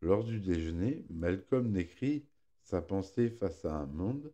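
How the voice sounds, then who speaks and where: A man with a low, dark, expressive voice reads a scripted film review aloud at an unhurried pace, as narration for a film chronicle. A fresh tongue piercing slightly impedes his articulation, and he occasionally stumbles and corrects himself.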